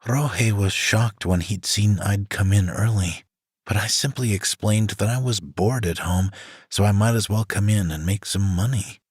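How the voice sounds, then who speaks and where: A man reading a romance audiobook aloud in the first person, in an even, scripted narration. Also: lowish voice, a little slow, husky, no echo, studio quality. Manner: reads a woman's first-person story in an even voice.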